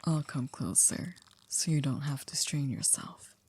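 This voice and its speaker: A woman playing a poised, coolly controlling maid to a vampire in an ASMR roleplay, speaking formally and politely in a hushed, breathy, often near-whispered voice. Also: deep voice. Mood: cool, softly menacing. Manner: formal, polite, measured, with stiff wording.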